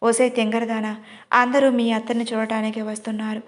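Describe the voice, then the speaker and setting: A woman doing a scheming middle-aged aunt in a storybook audio drama, snapping back with sharp, scolding retorts. Her voice is fairly high and flat. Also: normal speed, close to an everyday voice.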